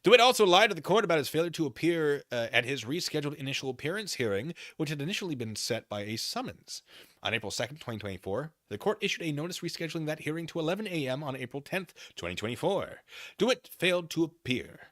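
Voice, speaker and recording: An American online streamer reads a formal document aloud with theatrical flair, his fairly high voice fast, forceful and bright, with a swooping, very animated delivery. Easily excited, he drifts into wry, casual off-the-cuff asides, and the recording is close and dry.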